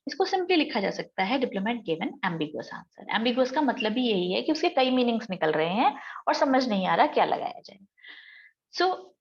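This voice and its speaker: A woman with an Indian English accent teaches an exam-prep lecture, explaining each point step by step. Her voice sits a little high. The recording is slightly dull and lo-fi. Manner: explains step by step, reads sentences out slowly.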